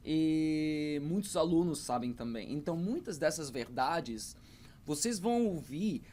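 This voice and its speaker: A man's voice: on the high side, a little mellow, slight background noise. A man in his thirties, an English teacher speaking to camera, hesitant, with many fillers and repeated words. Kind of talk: talking to camera about learning English.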